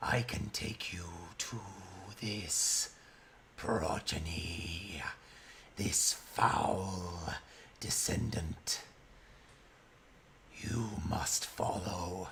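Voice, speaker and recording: In a put-on character voice, a man growls at a very slow pace with a very deep, low pitch. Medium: actual play. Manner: cryptic, incantatory.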